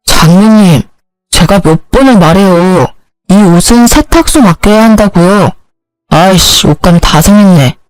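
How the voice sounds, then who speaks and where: A woman's voice: mid-range voice, animated, measured pace, darkish tone, no room sound, soft background music, lightly acted, poor audio. A woman voicing a self-centered young husband who talks in curt, demanding scolds. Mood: bossy.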